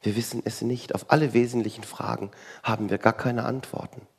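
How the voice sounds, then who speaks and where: A man's voice: mid-range voice, fairly even intonation, a little fast, vocal fry, breathy edge. A man preaching a sermon in a conversational way, full of rhetorical questions and wry asides.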